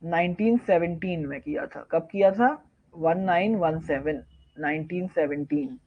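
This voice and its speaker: A male tutor giving a live online revision lecture, firing off quiz questions and answering them himself, slowing down to dictate key terms. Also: on the high side, muffled recording. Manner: quizzes viewers, then answers his own questions. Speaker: pharmacognosy tutor.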